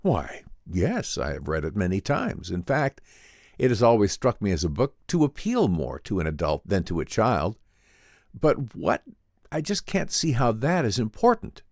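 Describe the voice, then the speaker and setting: A man voicing an eager, incredulous adventurer in a dramatic story reading, excitable and disbelieving yet formal in his speech. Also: lowish voice, moderate pace, dry recording, clean studio sound, exaggerated voice. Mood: puzzled. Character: eager, incredulous male adventurer, the professor's loyal friend.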